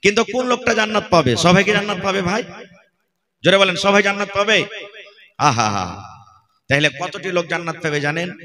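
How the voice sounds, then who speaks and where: A man preaches in regional Bengali from Purnia, Bihar. His voice is bright and forceful, set a little high. He keeps throwing questions out to the crowd as he goes. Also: expressive, fairly quick, long pauses. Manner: fires rhetorical questions at the crowd. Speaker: Islamic preacher. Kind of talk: sermon at a religious gathering.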